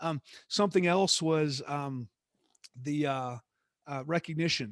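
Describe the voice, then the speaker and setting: An unremarkable speaking voice from a man with an American accent, fairly high in pitch, with fairly even intonation and a moderate pace, in a dry, close recording with no echo and a quiet background. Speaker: former theme park executive, consultant. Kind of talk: guest talk to a class.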